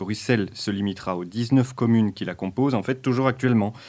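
A man speaks at medium pitch and a fairly quick pace with ordinary pitch variation. His tone is dark and mellow, on a very clean recording with a silent background. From Brussels, Belgium (Ixelles). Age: 20s. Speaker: student radio host. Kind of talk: scripted radio narration. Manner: theatrical, playful.

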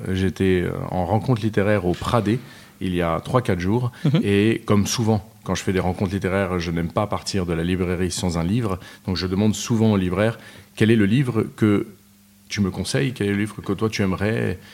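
On a very clean recording with a silent background, a man uses an ordinary speaking voice at a moderate pace with ordinary pitch variation. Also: fairly low pitch for a man. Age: 30s. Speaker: novelist. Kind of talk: interview.

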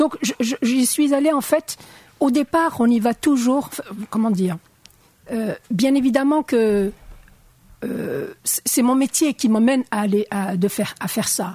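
A woman's fairly high, lively voice in a dry, close sound with no echo. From Algeria. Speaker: journalist and author. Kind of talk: radio interview. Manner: halting.

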